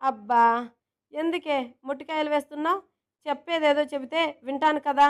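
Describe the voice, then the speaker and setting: A bold, pouting young office girl, played by a woman storyteller; high voice, quick and cheeky. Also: natural voice. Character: playful, headstrong young woman office worker.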